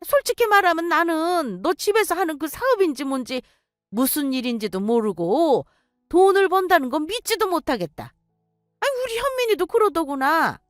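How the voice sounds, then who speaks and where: A woman's voice: very high voice, sing-song, moderate pace, no room sound, clean studio sound, faint music behind. A woman voicing a domineering, condescending middle-aged restaurant owner who scolds her future daughter-in-law. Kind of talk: audio drama acting.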